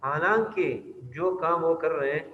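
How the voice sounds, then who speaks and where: A man teaching a religious lecture on Quran recitation, explaining by reciting and repeating words to correct pronunciation. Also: a little high. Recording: tinny, echoey hall with faint noise.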